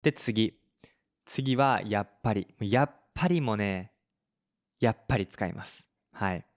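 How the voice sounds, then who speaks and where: A man hosting a language-lesson podcast, explaining word usage in a relaxed way and mixing in English examples. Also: lowish voice, a little slow. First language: Japanese. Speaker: Japanese teacher, podcast host.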